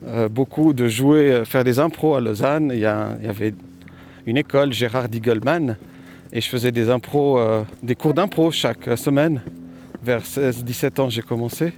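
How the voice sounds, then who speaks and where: A man's voice: mid-range voice, normal speed, a little mellow, a little hiss or hum. A man being interviewed as an author, with a light Swiss French accent that has an unplaceable touch. He talks in a thoughtful, hesitant way with many fillers, walking outdoors. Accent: light French-speaking Swiss with an unplaceable touch. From Romania. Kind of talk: conversational interview.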